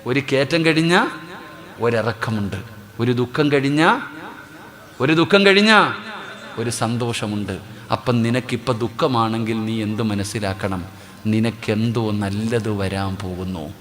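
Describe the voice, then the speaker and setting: A man preaching a sermon. He presses the crowd with repeated questions and calls for answers, and swings between loud exclamations and quiet asides. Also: lowish voice, steady tone, measured pace. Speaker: Islamic preacher. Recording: reverberant public hall.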